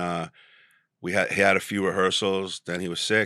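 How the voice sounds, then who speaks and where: Bright, sharp tone in an American accent, at a moderate pace with monotone, flat intonation. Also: man. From New York. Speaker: playwright. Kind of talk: casual chat.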